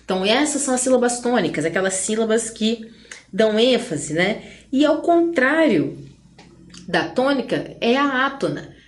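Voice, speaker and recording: A Brazilian woman teacher giving an online grammar lesson in a chatty way, often tagging lines with "né?" and slowing down to stress syllables. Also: on the high side, expressive. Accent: Brazilian Portuguese. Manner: chatty, frequent "né?" and "gente" asides. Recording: roomy echo.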